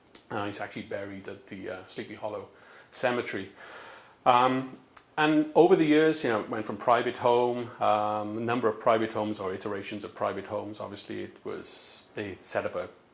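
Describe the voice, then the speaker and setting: A man with a Welsh accent talks at a fairly quick pace and medium pitch. His pitch varies in an ordinary way while his loudness swings widely. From Wales, Cardiff. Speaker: inn owner, former tech executive. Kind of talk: interview. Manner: hesitant, many fillers.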